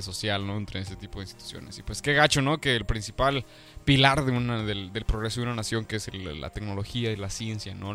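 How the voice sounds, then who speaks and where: A young man with a Mexican accent co-hosting a casual podcast chat, talking in slangy, animated bursts. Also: fairly low pitch. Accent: Mexican Spanish. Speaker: podcast co-host.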